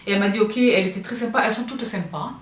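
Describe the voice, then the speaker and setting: A French fashion vlogger chats to her viewers, whom she calls "girls," in a casual haul video, sounding chatty and expressive. Her medium-pitched voice races along with a little hiss or hum, and the recording is roomy, with her a bit far from the mic in a spacious room.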